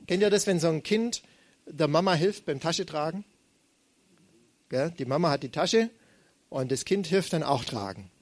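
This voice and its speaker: A young man delivers a sermon in a chatty, animated way, often slipping into quoted voices. His voice sits a bit high for a man. The recording is dry and close, with almost no room sound. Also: no room sound. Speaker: preacher.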